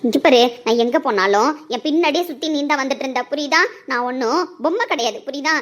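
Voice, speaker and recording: A woman's voice: sits high, lightly acted. A woman playing a defiant young wife. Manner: defiant and taunting, quick retorts. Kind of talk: amateur audio drama acting.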